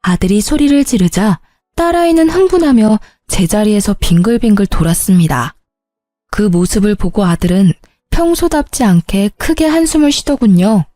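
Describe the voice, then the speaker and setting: A woman in her fifties tells her family story in the first person, in a mellow, soft-spoken motherly voice. Her pitch sits in a middle range. The voice is close and dry, with faint music playing underneath. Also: lively intonation, normal speed, no echo.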